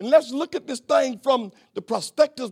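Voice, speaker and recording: In a dry, close sound with no echo, a man speaks in an animated tone. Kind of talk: sermon, preacher in full flow, call-and-response with congregation. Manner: animated, exhortative, pushing the congregation to respond; conversational and laughing, punchy rhetorical questions.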